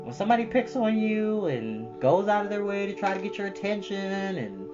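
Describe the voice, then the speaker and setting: A woman's voice: medium pitch, very animated, normal speed, lo-fi sound, over music. A woman reading a children's book aloud as storyteller, with dramatic emphasis and informal, chatty asides.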